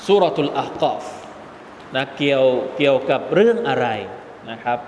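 A man's voice: medium pitch, expressive, normal speed. A man giving a religious lesson, explaining pronunciation step by step and quizzing his listeners. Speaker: Quran commentary teacher. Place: mosque hall. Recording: echoey hall with long reverb, faint background noise.

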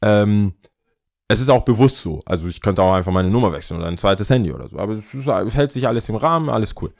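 A man, a guest on a podcast, telling a casual story in an animated way and dropping English slang into his talk. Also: fairly low pitch, quick pace, vocal fry.

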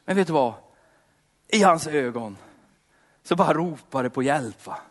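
A man with a high-sitting, animated voice preaches, starting with fervent prayer that repeats "Lord" between phrases. He then slides into a casual, slangy sermon packed with fillers.

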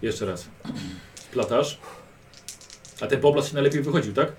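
A man's voice: mid-range voice, unhurried. A man leads a tabletop game as game master, coaching a player step by step with patient, repeated instructions. He sits some way from the microphone. A faint hum of background noise runs under his voice. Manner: patient, instructive, drill-like repetition. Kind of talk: narrating a tabletop game in character. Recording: distant mic with background noise.

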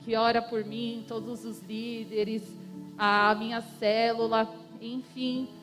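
A young woman giving an unhurried, cheerful speech of thanks in a church. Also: on the high side, little pitch movement, over music. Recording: reverberant church hall.

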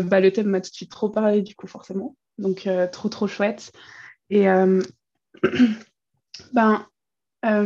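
A woman's voice: mid-range voice, a little mellow, slightly rough. Giggly woman illustrator, dull lo-fi sound. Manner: chatty, laughs often, many fillers. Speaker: illustrator guest. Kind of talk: casual podcast interview.

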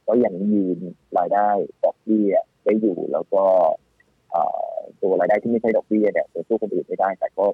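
A man giving casual, animated stock-market talk as a guest analyst, with many restarts and fillers. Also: deep voice, a little fast, slightly rough, dry recording. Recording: tinny phone-line audio, faint music.

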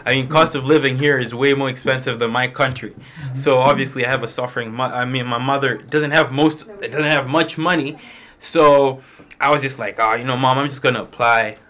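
Brisk, pushed, and bright, this young adult man's mid-range voice keeps a fairly even intonation. An international student from Malawi, he speaks informally to a small group, telling his own story as personal testimony.

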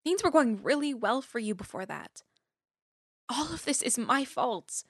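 A woman's voice: on the high side, expressive, a little slow, no room sound, clean studio sound. A woman playing an indignant, fiercely principled academic activist in an audio drama, speaking in an emphatic, impassioned way. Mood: guilty, apologetic.

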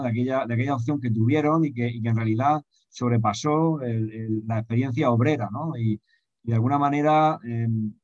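A man's voice: mid-range voice, darkish tone, no echo. A man with a Spanish accent from Spain asking a rambling, hesitant question in a seminar, often adding tag questions. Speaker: discussion participant. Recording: slightly dull, lo-fi, dry.

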